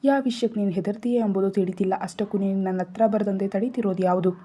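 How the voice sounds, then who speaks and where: A woman voicing a stubborn young woman in a hospital bed, speaking softly and pleading, in a storybook reading. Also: mid-range voice, fairly even intonation, quick pace, slightly rough, natural voice. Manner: soft, pleading. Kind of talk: storybook narration.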